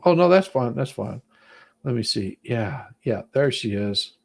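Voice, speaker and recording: A man hosting a live stream chat in a gravelly, slightly husky voice. He talks loosely and jokes, tripping over his words and repeating them as he goes. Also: mid-range voice, lively intonation, measured pace. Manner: stammering, repeats words, jokey. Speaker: livestream host.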